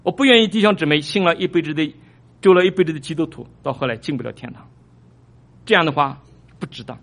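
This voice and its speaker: Pastor guy preaching, kinda high voice, gets loud and fired up, repeats himself a lot. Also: quick pace. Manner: animated preaching, surges louder and higher for emphasis; repeats phrases, small restarts. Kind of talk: sermon.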